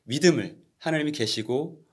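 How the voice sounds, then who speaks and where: A man's voice: fairly high pitch, moderate pace, breathy edge. A man co-hosting a podcast, talking earnestly and explaining his thoughts during a reflective discussion of a Christian book. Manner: earnest, explanatory, lively intonation.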